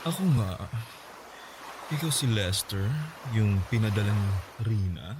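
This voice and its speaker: Radio drama role, Filipino: flirty, impatient gay client, campy and lively-pitched, over noisy background. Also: male voice, measured pace. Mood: flirtatious, coaxing. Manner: campy, drawling, haughty.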